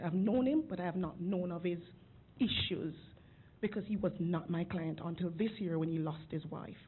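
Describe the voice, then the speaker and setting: An earnest woman speaks at a podium microphone during public comment, her voice pitched fairly low. She talks deliberately and with rising feeling. The recording is thin and phone-like with faint hiss. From outside Georgia. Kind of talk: public comment at a city meeting. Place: city commission chamber.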